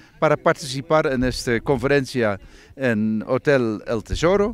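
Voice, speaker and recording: With a Dutch accent, a man speaks at a fairly slow pace with very wide pitch swings, in a dry sound with no echo. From Netherlands. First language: Dutch (speaking Spanish). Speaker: foreign tourist and interpreter; interviewee. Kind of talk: interview. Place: open country. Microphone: handheld.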